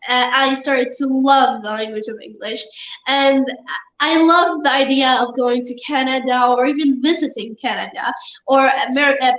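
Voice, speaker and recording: Girl, high voice, earnest, halting with fillers, roomy muffled sound. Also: fairly bright tone. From Palestine. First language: Arabic. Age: child. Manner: earnest, many fillers and restarts. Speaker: guest. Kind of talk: interview answers. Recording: roomy, muffled remote audio.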